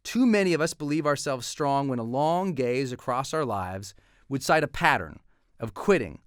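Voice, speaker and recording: A man's voice: medium pitch, animated, normal speed, clear, resonant tone, no room sound, studio quality. A man reading a motivational manifesto in a declamatory way. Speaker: reader.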